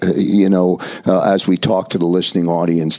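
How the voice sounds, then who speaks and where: Very deep, low male speech amid noticeable background noise. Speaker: radio host. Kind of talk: radio show chat.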